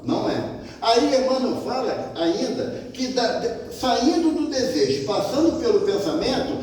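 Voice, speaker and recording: A man's voice: sits high, a little mellow, slight background noise. A man with a Brazilian Portuguese accent giving a spiritist lecture and asking the audience rhetorical questions. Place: lecture hall of a spiritist center. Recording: echoey hall, distant mic, faint ambience.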